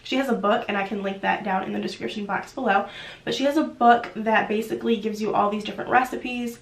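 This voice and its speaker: A young woman chats to her camera in a loose, rambling way, sprinkling "like" through every sentence. She sounds stuffed up and nasal from being sick. Her voice sits at an ordinary middle pitch and bounces off the walls of an echoey room. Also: steady tone, fast talker, creaky. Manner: chatty, filler-heavy with frequent "like". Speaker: YouTube vlogger. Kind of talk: chatty vlog talk.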